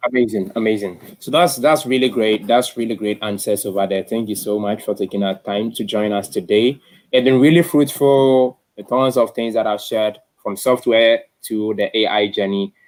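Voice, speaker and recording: A man's voice: fairly low pitch, normal speed, darkish tone. A man hosting an online tech talk in an informal, effusive way, often repeating himself. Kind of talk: informal live-stream hosting.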